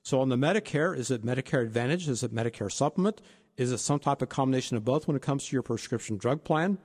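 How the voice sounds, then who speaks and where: A man's voice: medium pitch, fast talker, husky, in a large hall. A man co-hosting a financial advice talk, laying out retirement planning points one by one. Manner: steady explanatory, lists points. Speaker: financial advisor co-host.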